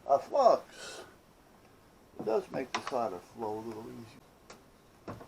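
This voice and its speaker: Against a noisy background, a hobbyist maker with a creaky, mid-range, sing-song voice talks at normal speed through a hands-on project on his workshop channel. He rambles casually, mutters to himself, and tosses in playful asides.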